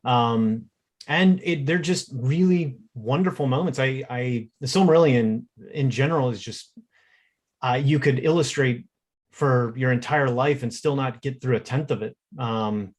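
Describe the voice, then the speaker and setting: A man's voice: medium pitch, a little slow. Hesitant man artist on a panel. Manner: hesitant, many fillers. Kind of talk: casual panel talk.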